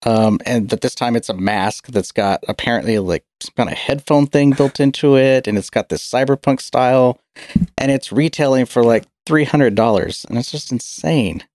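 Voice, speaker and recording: A man co-hosting a podcast in casual chat, speaking haltingly and stuttering, with low energy. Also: a little mellow. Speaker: podcast co-host.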